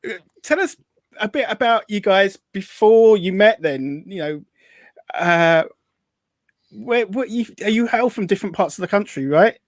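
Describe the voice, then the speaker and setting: A man's voice: high voice, animated, a little slow, dry recording, clean studio sound. A man hosting a casual online chat show, reading out viewer comments with lots of fillers over a video call. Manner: chatty, reads out viewer comments, many fillers. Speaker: host.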